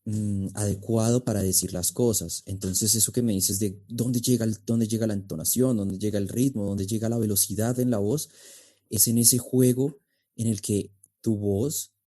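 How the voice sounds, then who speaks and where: Low, very mellow man. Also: fairly even intonation, normal speed. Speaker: interview guest, speech and oratory coach. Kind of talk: conversational expert explanation.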